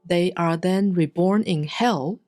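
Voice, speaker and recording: A woman giving a solemn, scripted reading of scripture in measured, deliberate phrases with frequent pauses. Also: on the low side, darkish tone. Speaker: sutra reader, Buddhist nun.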